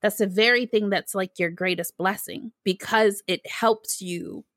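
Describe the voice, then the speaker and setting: A woman's voice: medium pitch, fairly even intonation, unhurried, a bit bright, slight background noise. An American woman from Michigan with a valley girl way of talking, hosting a podcast in a conversational style. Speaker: podcast host. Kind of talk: conversational interview talk.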